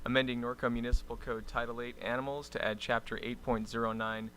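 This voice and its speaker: Man, city clerk, rapid monotone official reading, council chamber. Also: mid-range voice, slight background noise. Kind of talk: formal reading of an ordinance title.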